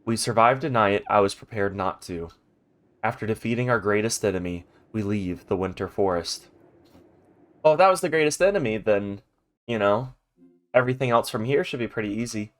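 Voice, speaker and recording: A man's voice: fairly low pitch, moderate pace. A man hosting a game playthrough in a rambling, chatty way, his voice congested from a stuffy nose, recorded at home. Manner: rambling, chatty, many ums and restarts. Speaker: let's play host. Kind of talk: casual gaming commentary. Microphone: home recording mic.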